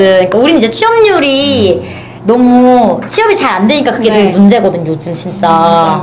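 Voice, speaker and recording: A woman talks at a moderate pace with a high pitch. Her pitch swings very widely, and there is light background noise. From South Korea. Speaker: YouTube creator. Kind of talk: casual chat. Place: meeting room. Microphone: camera far.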